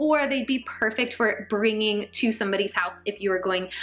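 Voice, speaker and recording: Over faint background music, a woman speaks at a moderate pace. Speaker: cooking vlogger. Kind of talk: casual vlog chat and tutorial. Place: kitchen. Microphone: phone near.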